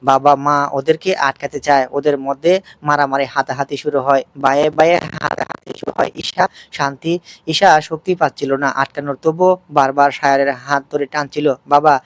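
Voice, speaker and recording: A man's voice: on the high side, normal speed. Man reading a family drama. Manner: steady narration with occasional slips. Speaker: storyteller. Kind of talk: reading a dramatic story aloud.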